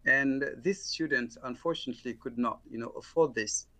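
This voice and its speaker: A middle-aged man from Senegal, a professor and former mayor, answering interview questions over a call, slow and hesitant, with many fillers. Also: medium pitch, bright, forceful tone.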